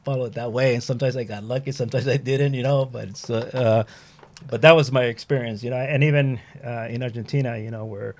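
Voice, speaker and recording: Gravelly middle-aged man, retired firefighter, loose rambling storyteller who keeps saying "you know". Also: mid-range voice, fairly even intonation, fast talker, a little mellow. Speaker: retired firefighter and fire training instructor. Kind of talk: casual conversation.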